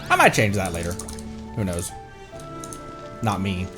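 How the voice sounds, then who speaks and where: Animated man chatting on a livestream. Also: sits low, unhurried, over loud music. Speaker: streamer. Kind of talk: casual livestream gaming chat with viewers.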